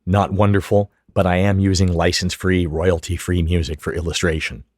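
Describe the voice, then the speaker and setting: A man giving scripted, methodical step-by-step instruction as a software tutorial narrator. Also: deep voice, little pitch movement, brisk, no echo. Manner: clear, methodical, step-by-step explanation. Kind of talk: scripted instructional narration over screen demo.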